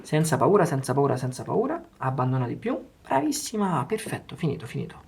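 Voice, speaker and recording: A man with an Italian accent, a chiropractor calmly coaxing a patient through adjustments with soft, repeated encouragements. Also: mid-range voice, fairly quick, vocal fry. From Italy. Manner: soothing, repetitive coaxing.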